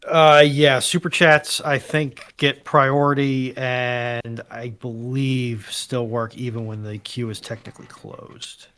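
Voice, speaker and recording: A man's voice: mid-range voice, level tone, slow pace, few pauses, fairly bright tone, clear, resonant tone. A man speaking casually as a co-host on a livestream. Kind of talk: casual chat.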